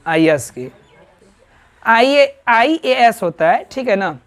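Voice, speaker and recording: A man's voice: very high voice, very animated, slow, a bit bright. A man with a Bihari Hindi accent teaching a grammar lesson to a class, firing questions at students and checking with them constantly. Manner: quizzes students in call-and-response, keeps asking "right?".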